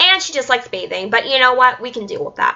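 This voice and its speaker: A woman speaks in a raised, projected voice at a very fast pace. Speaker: gaming video creator. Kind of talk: casual gameplay commentary. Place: home room. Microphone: webcam.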